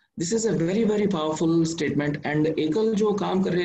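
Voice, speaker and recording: Noticeable background noise and audible room echo surround this recording. A man speaks at a high pitch. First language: not Hindi, speaks English and a South Indian language (speaking Hindi). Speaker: memory trainer and author. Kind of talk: talk to online club audience, Hindi-English mix. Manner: halting, many fillers.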